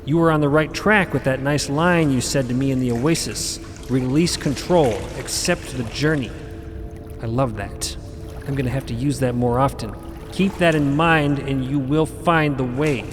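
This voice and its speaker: In a fantasy audio drama, an actor with a medium-pitched voice plays a wise, exasperated cosmic mentor, pontificating at a normal speed with dry, impatient asides. The delivery is lightly acted, serene and instructive. Loud music plays over a long, cavernous reverb.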